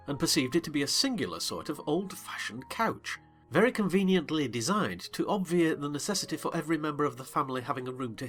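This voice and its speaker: A man narrating a dramatized classic novel in first person with a theatrical, expressive delivery, soft music beneath. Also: on the high side. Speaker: audiobook narrator.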